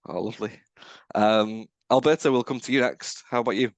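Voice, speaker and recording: A man's voice: medium pitch, a little fast, no echo. A man hosting a video call roundtable, framing his questions in a friendly, rambling way. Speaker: podcast host, recruiter.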